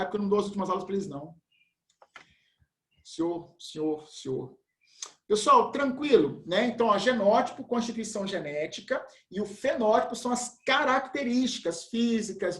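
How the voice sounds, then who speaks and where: A man teaching a biology class in a casual, slangy way. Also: sits high. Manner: casual, slangy, says "velho" and "pessoal". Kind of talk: remote class, chatty explanation. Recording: echoey room.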